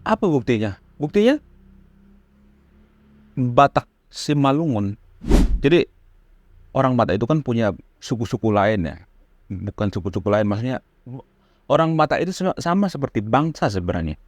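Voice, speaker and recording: A man's voice: medium pitch, sing-song, normal speed, long pauses, dry recording. A man giving casual, earnest spoken commentary to his viewers, repeating his points with frequent fillers. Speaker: channel host giving commentary.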